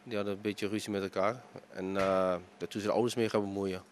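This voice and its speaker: A man's voice: lowish voice, steady tone, fairly quick, slight background noise. A man in his thirties, a restaurant owner, answering a news interview in his dining room into a handheld mic, hesitant with many fillers. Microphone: handheld reporter mic.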